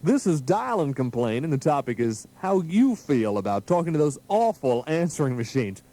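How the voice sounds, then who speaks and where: The smooth host of a parody phone-in show, lilting gently as he patronizes his callers, played by a male actor. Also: on the high side, very animated, normal speed. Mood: smooth, soothing. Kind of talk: parody of talk radio hosting.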